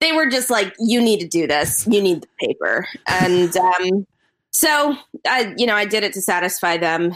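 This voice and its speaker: A woman with an American accent speaks in a normal speaking voice at medium pitch and moderate pace, with lively intonation. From United States. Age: 30s. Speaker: journalist. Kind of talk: casual chat.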